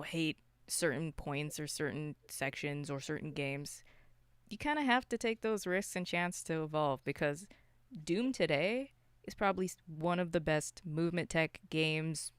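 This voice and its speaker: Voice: medium pitch, normal speed, fairly bright tone, smooth, dry recording. A podcast co-host chatting casually, with slangy, exclamatory interjections. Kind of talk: casual chat and reactions.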